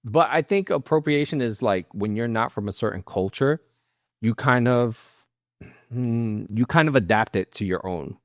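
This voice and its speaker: A man talking informally on a podcast panel, halting now and then as he gathers his thoughts. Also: medium pitch, lively intonation, no echo, clean studio sound. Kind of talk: casual panel discussion with personal anecdotes.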